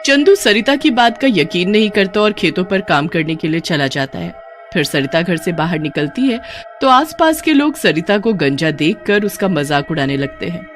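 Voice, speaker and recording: A woman narrating a cartoon horror story in an even, scripted storybook manner. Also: on the low side, normal speed, soft background music.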